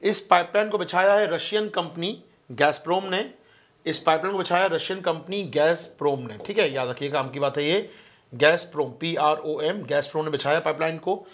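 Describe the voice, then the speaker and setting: A man teaching an online exam-prep class, talking fast, asking questions and answering them himself. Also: on the high side, fairly bright tone. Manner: fast-talking, keeps calling listeners friends. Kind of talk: online lecture explaining a map.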